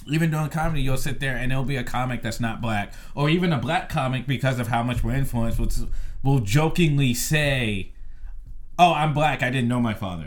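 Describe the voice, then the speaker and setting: A man with an American accent talks at a fairly quick pace in an ordinary speaking voice. His pitch is medium, with ordinary pitch variation. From US South, Mobile, Alabama. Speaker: stand-up comedian. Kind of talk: stand-up style bit riffing on race and viral videos. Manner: wry, punchline-driven delivery with comic pauses.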